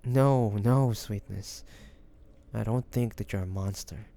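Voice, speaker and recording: A man's voice: on the low side, slow, warm tone. A man playing a devoted, anxious young man caring for a wounded loved one, tender and hesitant, in a romantic audio roleplay. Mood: tender, reassuring. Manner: tender, hesitant, breathy sighs, addressing the listener. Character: devoted, anxious young man tending his wounded dragon-shifter beloved.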